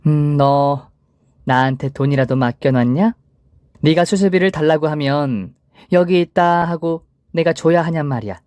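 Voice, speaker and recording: A man's voice: fairly high pitch, fairly quick, a little mellow, dry recording, clean studio sound, lightly acted. A man voicing a cold, stingy older mother-in-law who talks in a curt, scolding way. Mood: cold, demanding.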